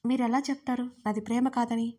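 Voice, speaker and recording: A woman's voice: fairly high pitch, steady tone, fast talker, mellow, natural voice. A woman voicing a tearful, desperate young woman in love, pleading in a crying voice in an audio story.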